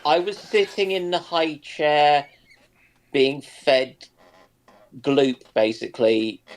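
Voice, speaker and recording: Slow-paced, hesitant man in his forties. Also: on the high side, animated, slight background noise. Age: 40s. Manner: hesitant, starts and restarts phrases. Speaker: geriatrician who trains doctors. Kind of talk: casual group chat on a livestream.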